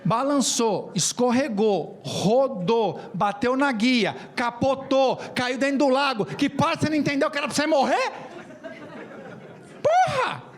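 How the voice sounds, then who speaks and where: São man, lively comic storyteller, high voice, slangy. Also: normal speed, few pauses, a faint crowd. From São Paulo, Brazil. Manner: animated, joking, slangy. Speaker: speaker at an event. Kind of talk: comedic storytelling talk. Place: stage at a conference.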